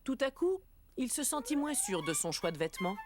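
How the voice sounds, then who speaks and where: A woman's voice: on the high side, sing-song, brisk, faint music behind. A woman acting as a storybook narrator in a children's cartoon, telling the tale in scripted narration. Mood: gentle. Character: storybook narrator telling a small boy's day.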